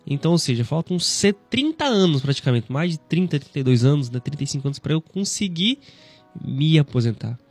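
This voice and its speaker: A man in his thirties with a Brazilian Portuguese accent, hosting a devotional radio talk in a conversational, gently preaching way, often tagging lines with "né". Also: a little high, big pitch swings, a little fast, breathy edge, soft background music. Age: 30s.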